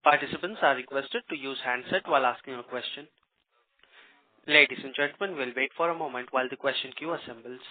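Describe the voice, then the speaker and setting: A man's voice: medium pitch, fast. A man giving formal, scripted instructions as a conference call operator. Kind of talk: scripted procedural announcement. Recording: tinny phone conference line.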